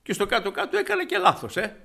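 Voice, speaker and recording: A man preaching a sermon, swinging between loud exhortation and soft, low asides as he retells anecdotes to his congregation. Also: very animated, vocal fry.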